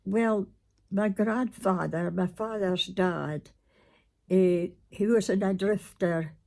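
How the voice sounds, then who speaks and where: A woman's voice: medium pitch, fairly even intonation, slow pace, creaky, warm tone. An elderly woman from north-east Scotland with a Doric accent, reminiscing in an informal interview with brief, plain-spoken answers. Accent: north-east Scottish Doric.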